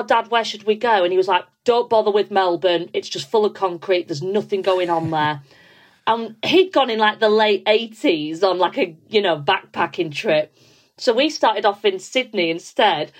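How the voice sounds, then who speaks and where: A talkative woman in her thirties with a Yorkshire accent, chatting as a guest on a podcast. She tells long stories, filling them with likes and ums, at a middling pitch for a woman. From Yorkshire, England. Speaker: comedian guest. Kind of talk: casual podcast chat.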